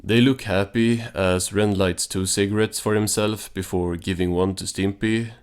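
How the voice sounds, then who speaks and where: A man's voice: fairly low pitch, steady tone, moderate pace. A man narrating a casual recap and commentary as a reviewer, in an offhand, understated way.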